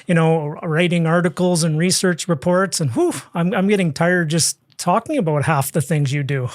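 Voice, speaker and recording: A man hosting an interview, chatty and halting, often restarting his sentences. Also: on the high side, a little mellow, no echo, studio quality. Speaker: podcast host. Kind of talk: interview conversation.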